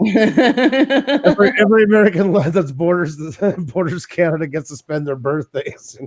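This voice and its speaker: A high-pitched man speaks with very wide pitch swings and big swings in loudness. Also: moderate pace. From eastern Quebec. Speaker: coin collector. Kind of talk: casual chat.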